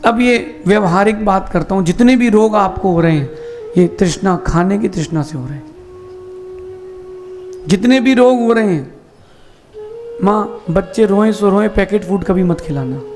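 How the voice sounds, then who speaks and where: A man, a Jain monk, giving a sermon with slow emphatic explanations and rhetorical questions. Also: high voice, expressive, darkish tone, soft background music.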